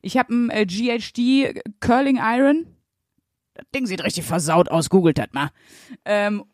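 A woman co-hosting a podcast, chatting casually as a lively storyteller with blunt, crude humor. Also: fairly high pitch, no room sound, clean studio sound. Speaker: podcast co-host. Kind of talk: casual chat.

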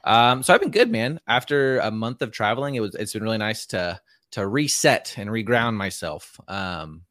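A man's voice: fairly low pitch, lively intonation, moderate pace, fairly bright tone, no echo, studio quality. A man co-hosting a casual podcast, talking in a chatty, rambling way with lots of "like", on a handheld microphone. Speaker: podcast co-host.

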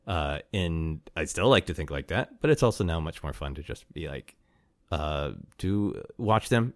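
Man, deep voice, podcast host, wry, playful, casual chat, dry close recording. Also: no room sound. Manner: chuckles often, wry and playful.

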